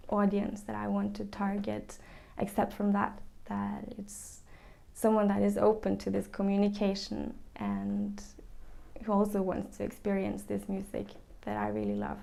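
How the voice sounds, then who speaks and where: A young woman with a Norwegian accent talks about her music in a calm, searching way, stopping often to find the right words. Her voice is low in brightness, mellow and heavy with vocal fry. Her pitch stays flat and even, with little rise or fall. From northern Norway. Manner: thoughtful, searching for words with many ums and restarts. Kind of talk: reflective interview answers.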